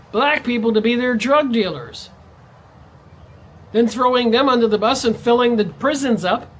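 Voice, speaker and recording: A man's voice: very high voice, a bit bright, rough recording. A man vlogging in a ranting monologue, his voice jumping up sharply on stressed words. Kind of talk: monologue to camera.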